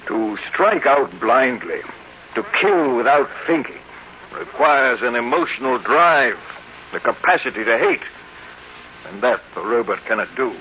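An actor playing an authoritative scientist in a 1950s radio drama, formal, emphatic and explanatory. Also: male voice, medium pitch, pushed and bright. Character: authoritative robot scientist explaining his machine calmly. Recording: muffled, noisy old radio recording.

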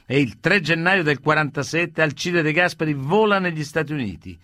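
A male documentary narrator with a fairly high, bright voice reads scripted history. He presents it in a forceful tone, recorded close and dry with hardly any room sound. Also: animated, moderate pace, no room sound.

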